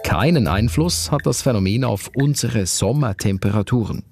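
A man's voice: mid-range voice, animated, moderate pace, music in the background. A man narrating a news podcast from a conversational script.

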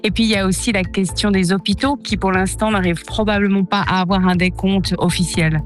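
A woman's voice: mid-range voice, steady tone, fast, soft background music. A woman from French-speaking Switzerland, a radio reporter, giving a spontaneous interview report. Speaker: radio foreign editor and reporter.

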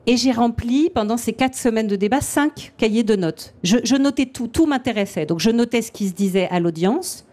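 A middle-aged woman, an author and literary translator, answering interview questions in a thoughtful, halting way with frequent restarts. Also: fairly high pitch, animated, mellow. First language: French.

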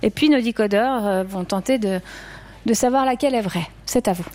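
A woman hosting a radio quiz show, chatty and leading the game with quick asides. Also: mid-range voice, a little mellow.

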